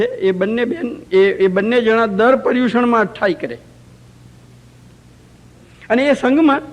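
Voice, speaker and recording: Guy with a pretty high voice telling stories in a religious talk, keeps asking the crowd "right?". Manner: asks rhetorical questions of the audience. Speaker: religious teacher. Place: community religious center hall.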